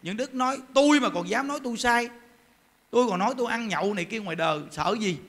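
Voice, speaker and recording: A male Buddhist preacher gives an emphatic, animated sermon. His voice sits very high and sounds bright and forceful. He drives his points home with rhetorical questions. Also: fast.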